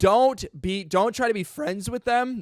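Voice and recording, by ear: Putting on a squeaky character voice, a man speaks at a high pitch and a fairly slow pace, in a dry, close sound with no echo.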